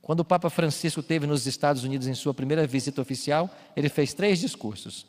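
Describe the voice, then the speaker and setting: A man preaching a sermon as a pastor in a church, speaking emphatically and building to loud calls. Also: on the high side, fast. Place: church with baptismal tank. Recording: long hall reverb, faint music.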